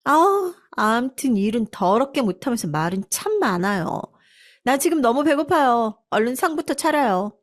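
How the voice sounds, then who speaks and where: A woman putting on a shrill bossy young wife. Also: very animated, moderate pace. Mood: snapping. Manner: scolding, sneering.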